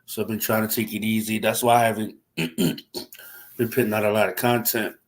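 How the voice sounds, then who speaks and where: A man's voice: on the low side, normal speed. Congested man chatting on a livestream. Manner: rambling, relaxed, frequent fillers and restarts. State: congested from a cold. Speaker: livestream host. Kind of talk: casual livestream chat.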